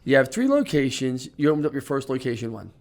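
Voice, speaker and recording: A man with a Northeast Philadelphia accent hosts an interview in a podcast studio. His voice sits at a middle pitch. He talks in a relaxed, conversational way as he sets up his questions. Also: fast talker. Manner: laid-back, conversational, leading questions. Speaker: podcast host. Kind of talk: casual interview hosting.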